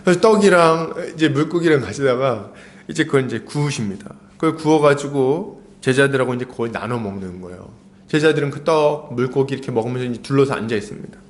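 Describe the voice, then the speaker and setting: A man preaching a sermon as pastor, storytelling with animated, acted-out lines. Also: medium pitch, fairly quick.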